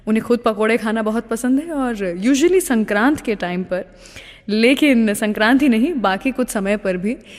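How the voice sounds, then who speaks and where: A woman's voice: on the high side, normal speed. Woman radio host with long reverb. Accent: Indian. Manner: chatty, addresses listeners directly, mixes in English phrases. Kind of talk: conversational radio presenting with storytelling.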